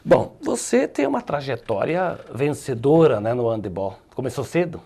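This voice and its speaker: A man's voice: mid-range voice, sing-song, moderate pace, creaky, dark tone. A middle-aged Brazilian man hosting a local TV sports interview, opening with formal broadcaster delivery and asking folksy follow-up questions. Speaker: sports show host. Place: TV studio.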